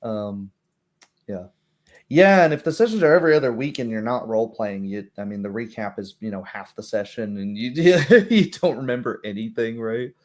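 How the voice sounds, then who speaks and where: A man's voice: medium pitch, animated, normal speed. A man chatting casually about tabletop games, acting out little asides as he explains. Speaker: tabletop roleplay show host.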